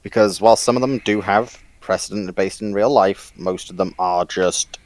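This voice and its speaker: A man's voice: on the low side, normal speed, rough recording. A man speaking casually as a panellist. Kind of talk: casual chat.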